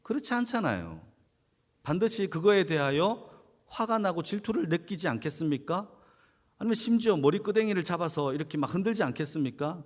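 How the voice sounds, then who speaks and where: This senior pastor's voice is high-pitched as he preaches his Sunday sermon in the church sanctuary. He puts questions to the congregation, supplies the answers himself, and hammers home key phrases through repetition.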